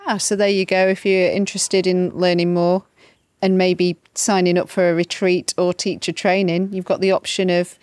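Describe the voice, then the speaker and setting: A woman's voice: fairly low pitch, little pitch movement, moderate pace, a little mellow. A woman hosting a podcast, chatting with a guest and closing the episode, effusive and grateful in manner. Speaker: podcast host. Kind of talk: casual interview and podcast outro.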